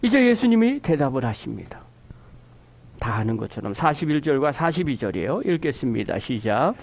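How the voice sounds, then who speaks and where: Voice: mid-range voice, very animated, highs cut off. A pastor preaching a Sunday sermon in a church, explaining scripture and questioning the congregation. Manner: explains a scripture word's meaning slowly. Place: church sanctuary.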